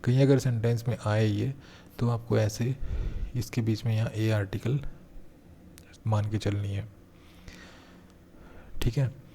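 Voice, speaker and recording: Mellow-voiced man teaching a grammar lesson. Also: on the low side, fairly even intonation, a little hiss or hum. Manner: explains step by step, slows down to read example sentences aloud. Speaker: English teacher. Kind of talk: exam-prep grammar lesson.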